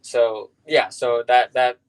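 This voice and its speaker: A man's voice: mid-range voice, fairly even intonation, slow pace, smooth. A young man on a video call asking questions in a hesitant way, with many fillers. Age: young adult. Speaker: student caller.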